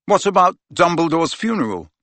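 A man's voice: high-pitched, big pitch swings, fairly quick, a bit bright, no room sound, pitched above the performer's own voice. A man voicing a grieving teenage boy who speaks fiercely and earnestly.

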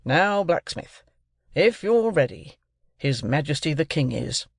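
A man reading aloud and voicing a bluff, hearty army sergeant who gives brisk orders and jovial toasts. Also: fairly high pitch, big pitch swings, vocal fry, dry recording, studio quality, exaggerated voice.

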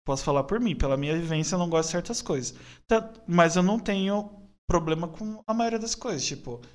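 Brief: late-20s São man, opinionated podcast guest, rambling but earnest, voice a touch high. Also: animated, fast talker. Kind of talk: casual podcast conversation.

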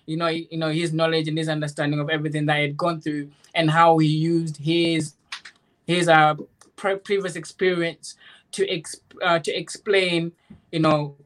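A man with a fairly high voice and a flat, even melody talks informally as a guest. He is earnest and rambling, circling back over his phrases as he explains. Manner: earnest, rambling, repeats phrases, checks understanding. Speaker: guest, author. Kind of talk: informal spiritual discussion.

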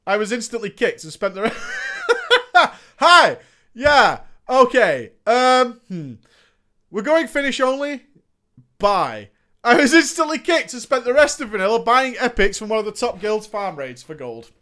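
A man reads a gaming tale aloud in an animated, sarcastic way. His voice sits high, and he often breaks into laughter. The pitch swings widely from line to line. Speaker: story reader. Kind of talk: comic reading of a gaming story with asides.

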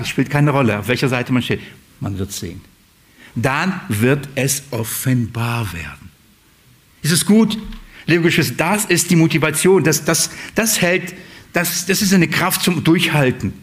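A man preaching a sermon in a conversational way, often asking his listeners questions and repeating phrases. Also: medium pitch. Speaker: pastor.

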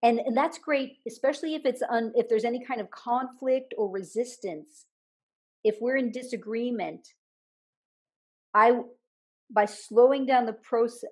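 Animated woman telling stories, slightly high voice. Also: husky. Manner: animated, laughs while telling anecdotes; repeats words when thinking aloud. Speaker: author and guest. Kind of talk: storytelling interview talk.

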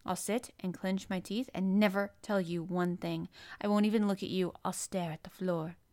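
A woman's voice: on the low side, fairly even intonation, normal speed, a little mellow, close to an everyday voice. Woman acting a sour, obstinate little girl. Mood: fierce. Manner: fierce, contrary, unsympathetic. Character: stiff, sour, obstinate, spirited young girl.

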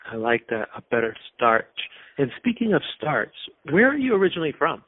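A man's voice: on the high side, very animated, brisk, no echo. Formal male radio host, dull sound. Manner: scripted, formal introductions. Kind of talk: radio interview hosting.

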